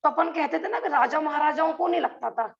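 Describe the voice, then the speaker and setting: A woman's voice: sits high, expressive, a little fast, vocal fry, lo-fi sound. A woman teaching a religious scripture class over a video call, talking earnestly and asking her listeners rhetorical questions.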